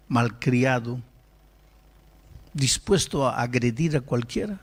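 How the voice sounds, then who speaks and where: Telling a story in his sermon, this male pastor sounds emphatic and animated in a fairly high-pitched voice. He often stops mid-word and starts over.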